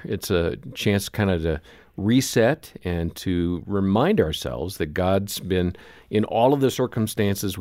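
A man's voice: sits low, creaky, a little mellow, dry recording, studio quality. A mature man co-hosting a radio show in a conversational broadcast style. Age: middle-aged or older.

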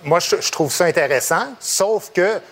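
A man's voice: sits high, normal speed, very noisy. A man arguing hard on a TV panel, pressing his point insistently. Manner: insistent, argumentative. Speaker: comedian panelist. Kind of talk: heated debate.

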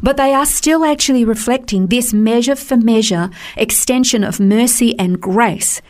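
A woman's voice: fairly high pitch, normal speed, a little mellow. Woman doing a christian radio teaching bit, earnest, repeats stuff for emphasis. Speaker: Bible teacher.

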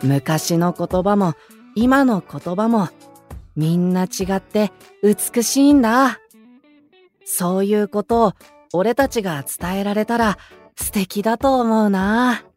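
Earnest, gentle peacemaker boy idol played by a woman, slow delivery, anime voice drama with light music. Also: medium pitch, lightly acted. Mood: earnest, encouraging. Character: gentle, earnest, harmonious young male idol, mediator. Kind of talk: anime-style voice drama acting.

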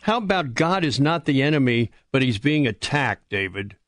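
A man's voice: mid-range voice, sing-song, normal speed, fairly bright tone, dry recording, clean studio sound. A man hosting a radio interview, asking brief, direct questions with short fillers. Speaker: radio host.

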